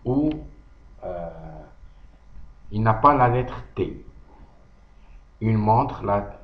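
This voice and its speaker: Enseignant masculin à l'algérien, débit très lent et posé, son lo-fi avec écho. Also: male voice, lowish voice. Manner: slow, deliberate, thinking aloud with pauses. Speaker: teacher. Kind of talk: slow worksheet walkthrough. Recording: echoey room, dull lo-fi audio.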